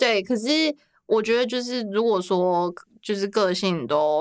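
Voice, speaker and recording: A woman talks at a fairly slow pace. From New Zealand and Taiwan. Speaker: journalist and media founder. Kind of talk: casual chat.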